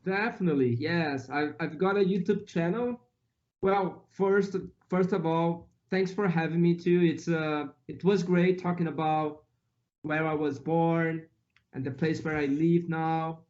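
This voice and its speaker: Brazilian-accented male guest, unhurried delivery, slightly raised pitch, dull lo-fi sound. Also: darkish tone. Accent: Brazilian Portuguese. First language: Portuguese. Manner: easygoing, listing foods with Portuguese words. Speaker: guest, English teacher. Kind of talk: casual interview chat.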